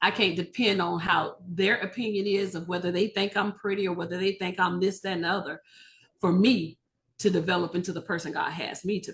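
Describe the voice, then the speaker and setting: A woman with an American accent speaks at a fairly quick pace in a medium pitch, her intonation fairly even and her voice somewhat breathy. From Jacksonville, Florida. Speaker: doctor. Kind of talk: testimony.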